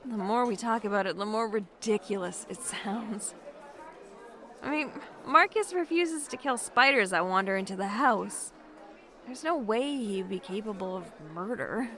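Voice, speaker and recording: A woman's voice: mid-range voice, unhurried, a bit bright. A woman playing an anxious, self-doubting young woman confiding in a friend in an audio drama. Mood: nervous dismissal.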